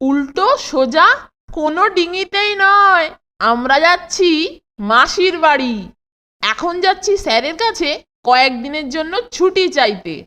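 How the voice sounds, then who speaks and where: Eager, very high-pitched cartoon boy. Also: lively intonation, a little slow, bright, forceful tone, full character voice. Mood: cheeky. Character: eager, bossy, impatient young cartoon boy. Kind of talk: children's cartoon voice acting.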